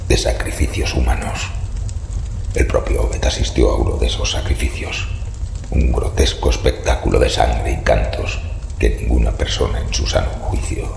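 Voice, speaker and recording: An actor playing a grim, haunted keeper of occult secrets in an audio horror serial, with a growling voice, Castilian Spanish accent and solemn, ominous delivery. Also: male voice, a bass voice, a little mellow, heavily acted. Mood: grave, secretive. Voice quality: very gravelly, growling. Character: grim haunted man who knows forbidden occult secrets. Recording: roomy reverb, faint noise.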